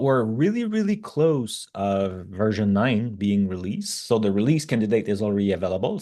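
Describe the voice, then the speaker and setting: French accent guy, kinda low voice, chatting tech stuff as a guest, bit halting. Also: a little mellow. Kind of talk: casual technical talk.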